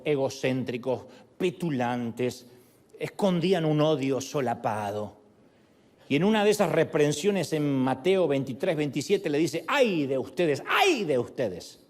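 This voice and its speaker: Pastor guy preaching, pitch swings all over, kinda high voice, acts out the quotes. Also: a little mellow. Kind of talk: sermon.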